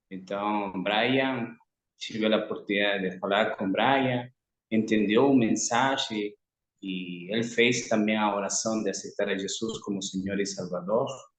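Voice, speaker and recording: A man with a normal speaking voice, fairly low pitch, fairly even intonation and a fairly slow pace. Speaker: church service leader. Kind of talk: church service, thanksgiving and prayer requests. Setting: online church service.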